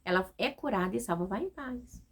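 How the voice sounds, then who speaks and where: Her medium-pitched voice is expressive, slightly rough, and a little fast. As a Bible teacher with a Brazilian Portuguese accent, she reads scripture aloud in a relaxed devotional study and checks in with her listeners as if in conversation.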